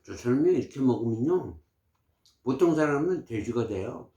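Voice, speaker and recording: A man's voice: medium pitch, animated, moderate pace, mellow. A man in his sixties giving health advice in casual, emphatic, preachy talk to camera. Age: 60s. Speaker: vlogger. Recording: roomy echo.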